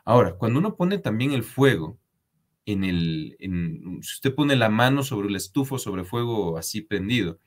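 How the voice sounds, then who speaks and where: Animated male preacher with lively intonation. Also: medium pitch. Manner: animated, addresses viewers directly, asks for comments; emphatic repetition, frequent restarts. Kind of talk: religious commentary reading a letter aloud.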